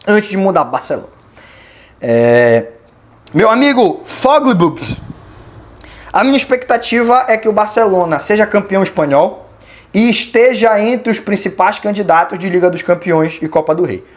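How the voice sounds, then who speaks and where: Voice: mid-range voice, animated, normal speed. Opinionated Brazilian commentator, casual and colloquial. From Belém do Pará, Brazil. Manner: opinionated, colloquial, reasoning aloud. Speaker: channel host. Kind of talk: casual commentary answering viewer questions.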